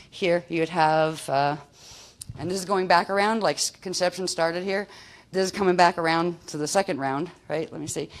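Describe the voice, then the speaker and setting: Speaking at a fairly quick pace, a woman uses a fairly low pitch and fairly even intonation. The recording is very clean and the background silent. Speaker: spiritual teacher. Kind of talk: lecture. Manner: fast.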